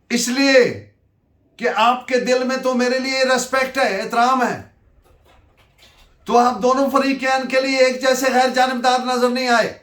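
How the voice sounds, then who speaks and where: A man with a Pakistani accent giving a lecture, deliberate and emphatic as he dictates references and switches between two languages. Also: extremely high pitch, a bit bright. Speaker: law lecturer. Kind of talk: lecture dictating case citations and explaining legal principles. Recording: echoey room.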